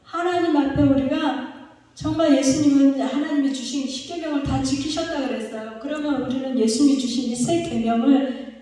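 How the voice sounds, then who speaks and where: A woman's voice: sits high, moderate pace, mellow. A woman pastor preaching a sermon, often putting questions to her congregation. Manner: asks the congregation rhetorical questions. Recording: echoey hall, voice from far off.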